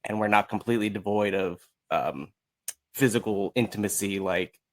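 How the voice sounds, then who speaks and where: Man, thirties, American accent, fairly low voice, casual interview guest, informal, reflective. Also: moderate pace. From Las Vegas, United States. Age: 30s. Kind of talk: casual chat.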